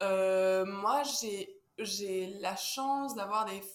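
A woman's medium-pitched voice carries fairly even intonation over audible room echo. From Spain, Valencia region. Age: 30s. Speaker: physiotherapist. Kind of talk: casual interview.

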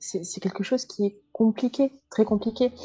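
A woman's voice has a dark, mellow tone. She speaks at a very slow pace. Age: 30s. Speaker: aspiring novelist and literature teacher. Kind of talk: interview. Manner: halting.

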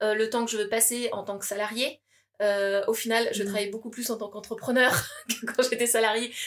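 Speaking at a fairly quick pace, a woman keeps a monotone, flat intonation at a fairly high pitch. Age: 30s. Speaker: startup founder. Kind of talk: casual interview chat.

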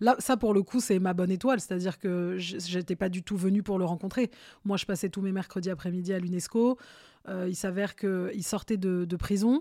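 A woman speaks at a moderate pace in a medium pitch with a dark, mellow tone. Her intonation is fairly even, and the recording is very clean with a silent background. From Paris, France. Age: 30s. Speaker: former communications director, wellness entrepreneur. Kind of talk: interview.

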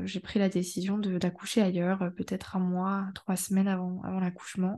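A woman speaks at a fairly slow pace in a medium, somewhat breathy voice with a dark, mellow tone against a quiet background. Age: 20s. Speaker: primary school teacher sharing birth story. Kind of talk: testimony. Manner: halting, many fillers.

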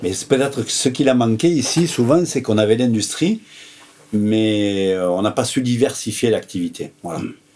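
A man with lively intonation over noticeable background noise. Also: medium pitch for a man, moderate pace. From Aveyron, southern France. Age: 60s. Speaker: local cultural organizer. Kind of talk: interview.

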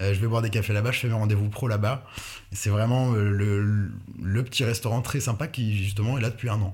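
A man with a fairly low voice speaks at a fairly quick pace, his loudness very even. His delivery is somewhat breathy, with fairly even intonation. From France, Angoulême (Charente). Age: 30s. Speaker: real estate agent. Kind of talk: podcast interview.

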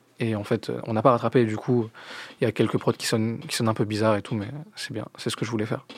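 Medium-pitched male voice at a very fast pace, monotone and flat, with noticeable background noise. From grew up abroad, Asia and Morocco. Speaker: rapper. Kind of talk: casual interview. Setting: studio.

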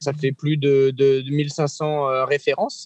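A man's voice, dry and close with no echo. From France, Vendée (Saint-Jean-de-Monts). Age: 40s. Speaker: company founder. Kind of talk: interview. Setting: video call from his car. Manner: hesitant, many repetitions.

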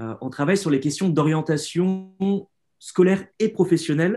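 This man's voice sits high in pitch for a man, with a dark, mellow tone. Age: 30s. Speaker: co-director of a youth guidance charity. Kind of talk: interview.

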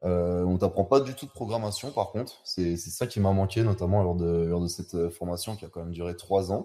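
With a dark, mellow tone and fairly low pitch, a man speaks at a moderate pace with ordinary pitch variation. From Île-de-France. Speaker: freelance web developer. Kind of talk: casual interview. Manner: halting.

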